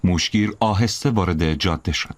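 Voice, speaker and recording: Low-voiced expressive male storyteller. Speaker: narrator. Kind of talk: audiobook narration.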